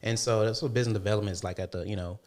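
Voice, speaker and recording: Reflective low-voiced man, lots of "you know". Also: fairly even intonation, racing, darkish tone. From Alabama, USA. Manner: reflective, many fillers and restarts. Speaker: podcast guest, entrepreneur. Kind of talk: casual conversation.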